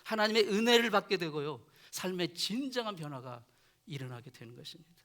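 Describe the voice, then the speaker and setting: Male pastor, high bright voice, earnest sermon delivery, phrases trailing off soft. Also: animated, fairly quick. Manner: earnest preaching, voice dropping soft at phrase ends. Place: church chapel.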